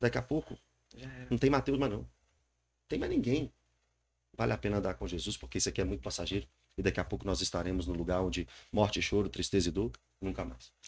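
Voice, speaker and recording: A man with a very deep, low pitch and vocal fry talks at a very fast pace, his pitch swinging very widely between long, frequent pauses. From Brazil. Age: 30s. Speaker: pastor. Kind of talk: casual interview. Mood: earnest, preaching tone. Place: studio. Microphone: studio mic.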